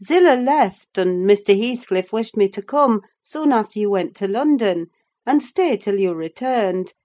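A brisk, warm-hearted housekeeper chatters in a lifted, lively voice, as a woman reader puts her on. She welcomes and fusses in a storybook reading. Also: medium pitch, voice pushed up, natural voice. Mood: welcoming. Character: brisk, kindly middle-aged housekeeper woman.

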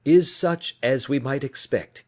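A man reading aloud, voicing Sherlock Holmes as a keen, brisk detective in a crisp, emphatic, declamatory way. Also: mid-range voice, voice pushed up, natural voice. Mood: explaining. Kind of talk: audiobook character reading.

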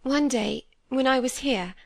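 A woman voicing an earnest young woman recounting events carefully, pitched higher than her narration. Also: gravelly. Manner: higher, quick and careful telling.

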